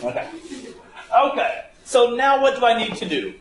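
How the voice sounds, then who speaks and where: A man's voice: very high voice, sing-song, moderate pace. A man teaching a live writing class, thinking aloud and putting playful, teasing questions to his students. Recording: echoey room with faint background noise.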